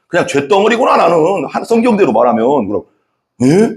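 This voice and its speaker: A male pastor preaching a sermon, telling his own testimony with animated storytelling and acting out the people in it. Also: a little high, brisk.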